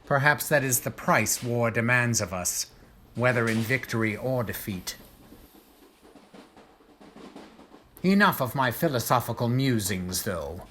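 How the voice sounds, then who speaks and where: A pompous, war-wounded gentleman of radio drama, played by a man, whose pitch swings widely. He is formal, guarded and easily affronted, with some background noise around the voice. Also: expressive, moderate pace, close to an everyday voice. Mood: grave, philosophical. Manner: pompous, precise, formal diction. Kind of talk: audio drama acting.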